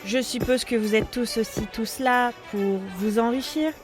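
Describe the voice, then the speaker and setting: Female treasure seeker, played by a woman, somewhat high-pitched, businesslike, impatient, audio drama. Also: steady tone, a little slow, soft background music, lightly acted. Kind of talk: French audio drama acting.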